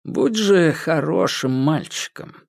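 Male reader as a cold, curt millionaire; measured, impatient. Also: on the high side, very animated, gravelly, no echo, clean studio sound, voice pushed up, full character voice. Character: cold, impatient rich middle-aged man.

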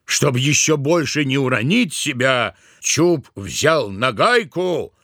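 A man narrating a literary tale for an audio play, expressively, with drawn-out emphatic words. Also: mid-range voice, lively intonation, a bit bright, no echo, studio quality.

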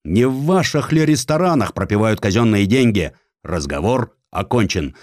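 A pompous male city governor, acted out by a male reader for an audio drama. He lays down the law in a stern, indignant bark. His pitch swings widely and the sound is close and dry. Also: sing-song, moderate pace, dry recording. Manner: shouting, categorical, pompous.

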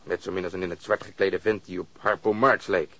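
An actor playing a blunt, stubborn, sardonic police detective interrogating someone in a radio drama. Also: male voice, deep voice, fairly even intonation, brisk, a bit bright, no room sound. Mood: dry, scornful.

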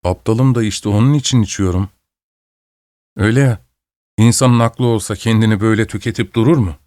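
A man's voice: fairly low pitch, brisk, darkish tone, no room sound, clean studio sound, natural voice. A man voicing a meek, sorrowful drunken bearded man who answers plaintively.

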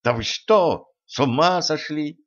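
A man's voice: fairly high pitch, measured pace, highs cut off, voice pushed up, natural voice. A man voicing a fretful, grumbling storyteller. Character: nervous, grumbling male storyteller.

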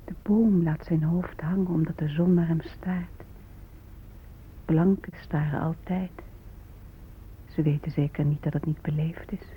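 A performer in a radio drama voicing a grieving, bitter Native American in solemn, measured, poetic recitation. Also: medium pitch, fairly even intonation, lightly acted. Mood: hushed grief. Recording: muffled narrowband old radio recording, faint noise.

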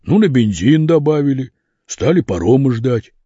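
A man's voice: mid-range voice, animated, moderate pace, dark tone, husky, dry recording. A man voicing a lazy, mercenary driver who grumbles and drawls, in a storybook reading. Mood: grumbling. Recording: dull lo-fi dry recording.

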